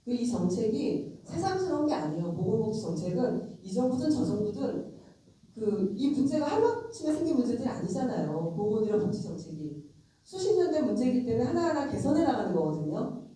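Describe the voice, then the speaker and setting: A middle-aged female lawmaker with a cold delivers a frank, emphatic, conversational lecture directly to her audience in a convention center lecture hall. Her voice is a little high, sing-song, brisk, and dark in tone. The very echoey hall is caught on a distant mic with slight background noise.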